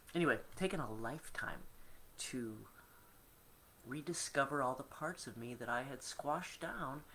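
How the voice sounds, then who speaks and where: A woman speaks in an animated way with a bright, sharp tone. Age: 60s. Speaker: lifestyle vlogger. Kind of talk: casual monologue.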